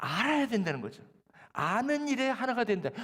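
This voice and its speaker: Speaking at a moderate pace, a man uses an extremely high pitch with lively intonation. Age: 60s. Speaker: pastor. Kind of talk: sermon. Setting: church. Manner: animated.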